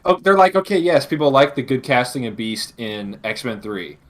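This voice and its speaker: Man, mid-pitched voice, casual opinionated podcast talk, exasperated delivery, circles back over his points. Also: very animated, normal speed. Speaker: podcast co-host. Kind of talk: casual opinionated pop-culture discussion.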